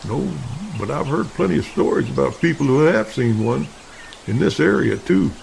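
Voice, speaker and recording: A man's voice: a little high, sing-song, moderate pace, vocal fry, a little mellow, a little hiss or hum, heavily acted, rough recording. A man playing an easygoing, curious hunting buddy in an audio drama, talking in a casual, folksy way.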